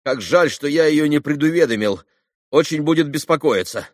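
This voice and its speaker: A man voicing a proud, excitable teenage schoolboy who talks in hurried, emotional bursts. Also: on the high side, dry recording, studio quality, voice pushed up, lightly acted.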